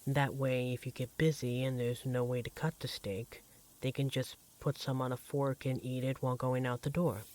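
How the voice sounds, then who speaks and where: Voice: medium pitch, little pitch movement, normal speed, darkish tone, natural voice. A performer playing an affectionate, teasing vampire barista in a conversational audio roleplay about domestic life. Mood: casual, teasing. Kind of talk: ASMR audio roleplay, one-sided domestic dialogue. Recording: clear background noise, sizzling frying pan.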